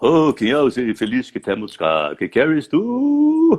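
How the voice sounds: A man in a put-on character voice, fairly high in pitch, at a fairly slow pace.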